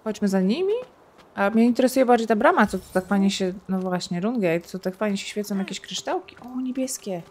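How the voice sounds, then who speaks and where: A woman's voice: mid-range voice, lively intonation, brisk, a little hiss or hum. A woman casually commenting while playing a game, thinking aloud and adding playful sound effects over faint game sounds. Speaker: gaming streamer. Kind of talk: casual let's-play commentary.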